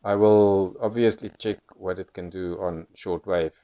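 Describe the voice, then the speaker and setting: A man with a fairly low voice talks through a casual gear review. His delivery is measured and explanatory, like a hobbyist sharing first impressions. The sound is dull and a little lo-fi. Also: steady tone.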